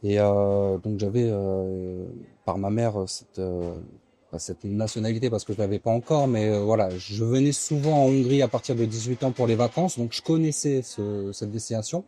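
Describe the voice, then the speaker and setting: A man in his forties from France answers questions in a relaxed interview. His voice sits fairly low and sounds mellow and dark. He pauses often, restarting sentences and filling gaps as he thinks. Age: 40s. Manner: hesitant, many fillers and restarts. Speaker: interview guest. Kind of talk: casual interview talk.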